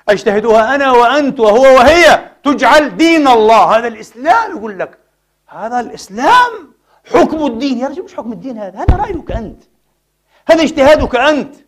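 Male preacher, high and rapid, fiery rhetorical sermon delivery. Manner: impassioned, rhetorical questions to the congregation. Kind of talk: Friday sermon. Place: mosque.

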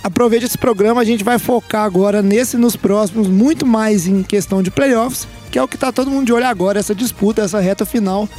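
A man's voice: high voice, quick pace, few pauses, darkish tone, faint music behind. A man with a Brazilian accent hosting a sports podcast, upbeat and teasing with his co-hosts. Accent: Brazilian Portuguese. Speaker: podcast host. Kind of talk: casual sports podcast chat.

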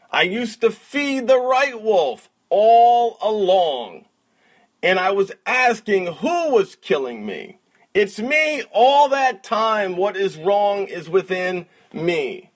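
Slow, higher-voiced man reciting slam poetry. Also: a bit bright. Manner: slam poet delivery, dramatic and deliberate. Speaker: coach reciting a poem.

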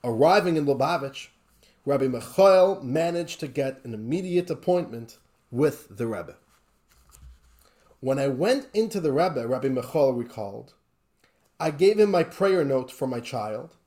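A man teaching a Torah class, telling a story in a lively, conversational way with emotional emphasis. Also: on the high side, measured pace.

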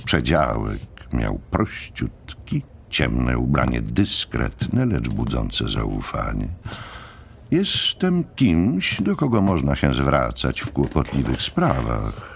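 A man giving a dramatic literary narration for an audiobook, solemn and measured. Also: very deep voice, creaky, husky.

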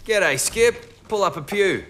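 A man's voice: high voice, lively intonation, slow, slight background noise. An actor playing an easygoing, loyal male spaceship pilot in a sci-fi audio drama, with breezy, slangy speech. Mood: cheeky, easygoing. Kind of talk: science fiction audio drama acting.

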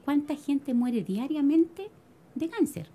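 Middle-aged Chilean churchwoman, lively testimony storyteller, fairly high, warm tone. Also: slow pace, slight background noise. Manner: animated storytelling, addresses listeners as brothers. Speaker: church member giving testimony. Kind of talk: spoken religious testimony.

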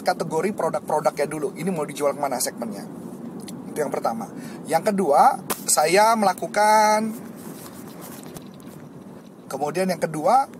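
A middle-aged man giving a motivational sales lesson, explaining points and acting out eager sales pitches with lively energy. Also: background noise. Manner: lively, acts out sales pitches with rising enthusiasm. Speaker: sales trainer.

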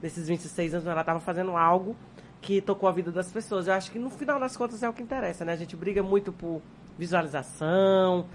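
A woman's voice: lowish voice, fast talker, a little hiss or hum. An outspoken woman from Piauí in Brazil with a Piauí accent, chatting as a podcast guest and acting out voices in her stories. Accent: Piauí Brazilian Portuguese. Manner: outspoken, expressive, mimics voices when telling stories. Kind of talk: casual podcast chat.

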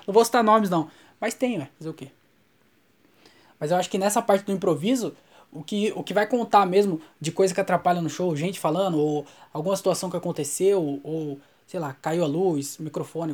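A man's voice: sits high, a little mellow. A Brazilian man, a stand-up comedian, hosts a solo podcast, talking casually and thinking aloud with frequent restarts. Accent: Brazilian Portuguese.

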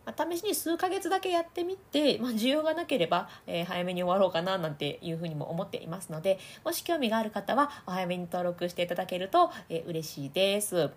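A woman hosts a casual voice-training podcast. Her voice is breathy and a touch husky, with a lively, swinging pitch. She chats freely, laughs often and slips into demonstration voices. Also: quick pace, few pauses. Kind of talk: casual audio podcast talk.

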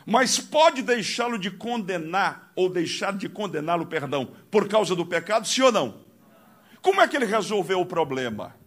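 High, lively preacher. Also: male voice, moderate pace, slightly rough. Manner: emphatic, questions the congregation, swings from hushed to shouting. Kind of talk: sermon.

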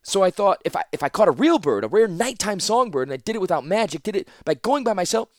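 A man voicing an impulsive young male student, shouting and stammering in a rush. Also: sits high, sing-song, no room sound, clean studio sound, voice pushed up. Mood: eager. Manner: shouting, breathless rushing, stammering.

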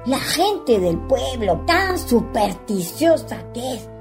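A woman acting a sly, chatty Chilean country ghost in a radio play, with a husky voice. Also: on the high side, very animated, slow pace, music in the background, heavily acted. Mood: coy, surprised.

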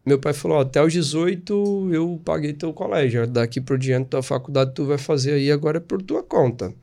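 In a casual storytelling interview, a podcast guest chats animatedly about his life, often tagging questions onto his sentences. He's a man in his thirties from Espírito Santo, speaking with a Brazilian Portuguese accent in a gravelly, slightly high voice at normal speed.

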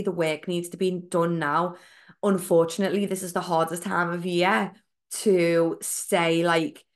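A young woman chats through a solo fitness podcast, her voice nasal and bunged up from a cold. She sits a little low in pitch and keeps things friendly and encouraging, with plenty of ums and likes along the way. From United Kingdom. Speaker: podcast host, fitness coach. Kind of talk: casual solo podcast talk.

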